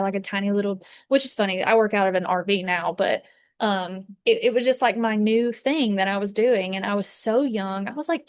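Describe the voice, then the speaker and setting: A woman's voice: mid-range voice, smooth, no room sound, studio quality. A woman, chatting casually as a fragrance consultant, rambling with lots of fillers and restarts. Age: 30s. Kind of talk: casual chat. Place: inside an RV.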